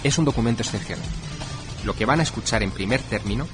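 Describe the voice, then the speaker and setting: A man reading scripted documentary narration with measured, dramatic emphasis. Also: mid-range voice, lively intonation. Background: music.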